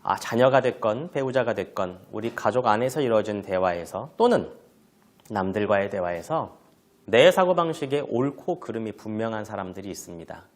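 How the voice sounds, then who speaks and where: A man giving an online lecture to parents on family communication, explaining terms and acting out examples. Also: normal speed. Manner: explanatory, with lively pitch swings and acted examples.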